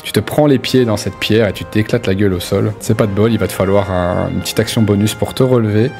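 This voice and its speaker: A man's voice: lowish voice, fast, vocal fry, darkish tone, soft background music. A man improvising narration as game master of a tabletop role-playing game, in a hesitant, conversational way.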